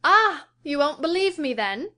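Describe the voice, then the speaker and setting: A woman's voice: sits high, big pitch swings, a little slow, sharp tone, voice pushed up, heavily acted. A woman voicing a scornful, imperious young lady. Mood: defiant. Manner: scornful and emphatic. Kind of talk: audiobook character voice.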